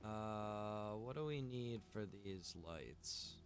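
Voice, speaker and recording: Laid-back lower-voiced gaming streamer man. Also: takes it slowly, slight background noise. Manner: rambling, relaxed, chatty with viewers. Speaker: streamer and server owner. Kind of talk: casual gaming stream chat.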